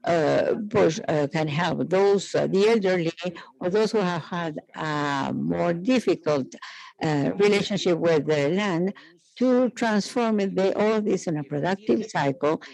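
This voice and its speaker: A man giving live interpreted conference speech in halting, piecemeal phrases with frequent hesitations. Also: high-pitched, vocal fry, a little mellow, low-quality recording.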